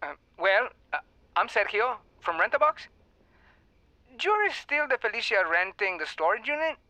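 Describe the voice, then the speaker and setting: Stammering male clerk, tinny phone line, bright lively voice. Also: high-pitched, moderate pace, no room sound, heavily acted. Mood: nervous. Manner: hesitant, stammering. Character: nervous male storage facility clerk.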